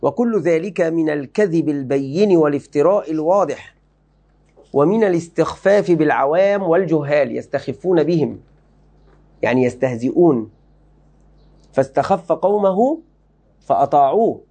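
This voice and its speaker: A man's voice: on the high side, animated, normal speed, pauses often, warm tone. A man giving a religious lesson, explaining a book to students emphatically, repeating key phrases and checking they follow. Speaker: Islamic teacher.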